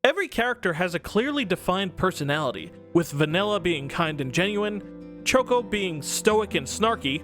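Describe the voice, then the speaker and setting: Background music sits beneath a video host and game reviewer whose high voice swings widely in pitch at a moderate pace. His scripted comedic review is casual, laced with swearing and exaggerated emphasis.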